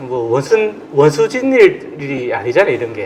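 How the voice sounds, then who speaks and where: Over noticeable background noise, a man speaks fairly slowly, his pitch swinging very widely. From Gyeongsang Province, South Korea. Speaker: election commission official. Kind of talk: briefing session. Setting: meeting room with audience. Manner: casual, filler-heavy.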